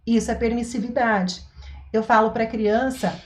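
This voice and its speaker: A woman, a mother and parenting coach, explaining to an online audience in an expressive way, often acting out scenes. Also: on the high side, moderate pace. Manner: expressive, acts out scenes, tags sentences with "tá?" and "né?". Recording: echoey room.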